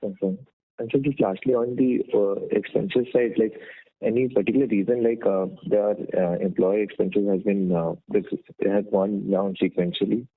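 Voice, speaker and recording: A man's voice: fairly low pitch, steady tone, moderate pace. A man with an Indian accent asking questions as an analyst on an earnings call, polite and hesitant. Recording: thin narrow-band phone line.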